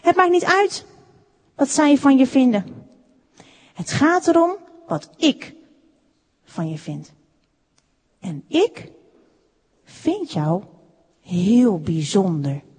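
A woman voicing a kind, fatherly old woodcarver with a deep, strong voice, talking calmly and gently. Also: takes it slowly, long pauses, breathy edge, full character voice. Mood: gentle, loving. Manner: calm, gentle, reassuring. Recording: echoey room with long reverb.

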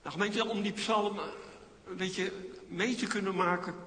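A man's voice: high voice, steady tone, measured pace, fairly bright tone. A man preaching a sermon in a church, addressing the congregation with rhetorical questions. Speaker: pastor. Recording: echoey church hall with reverb.

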